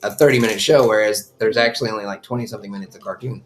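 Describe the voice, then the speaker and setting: A man's voice: on the low side, steady tone, racing, slight background noise. A middle-aged man hosting a casual live stream while watching a cartoon with his kids, chatting and answering viewer comments. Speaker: channel host watching a show with his kids.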